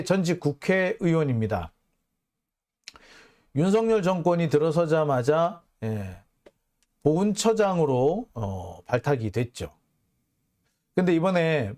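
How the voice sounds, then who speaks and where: A middle-aged man giving a blunt, scornful political monologue as host, with many fillers and sudden jumps in tone. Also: a little mellow. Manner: blunt, scornful, mimics others in a high voice.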